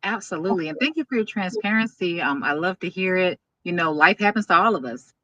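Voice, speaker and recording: A woman's voice: lowish voice, animated, fast, fairly bright tone, highs cut off. A woman hosting a business interview show, talking in an upbeat, enthusiastic, promotional way. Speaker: podcast host and speaking coach.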